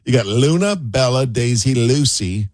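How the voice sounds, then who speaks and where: A man's voice: mid-range voice, expressive, measured pace, a little mellow, dry recording, clean studio sound. A man with an American accent co-hosting a radio show in a casual, conversational style.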